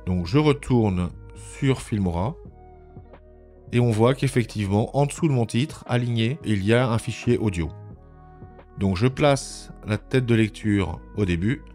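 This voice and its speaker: Male tutorial presenter, lowish register, methodical and informal with hesitant pauses, music underneath. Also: darkish tone. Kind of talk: informal step-by-step screencast narration. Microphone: voice-over recorded on a microphone at a computer.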